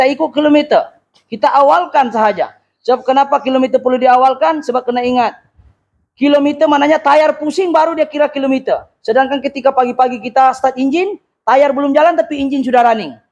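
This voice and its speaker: A loud man with an extremely high voice, ordinary pitch variation and a very fast pace. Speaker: car mechanic. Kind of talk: workshop tutorial. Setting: car workshop.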